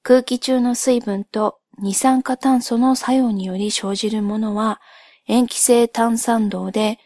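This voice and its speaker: A woman with a slightly high voice talks very slowly in a soft, ASMR-like monologue. She is gentle, polite and measured as she explains things. The sound is dry, with hardly any room to it. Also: fairly even intonation, no room sound. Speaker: host of a solo spoken channel.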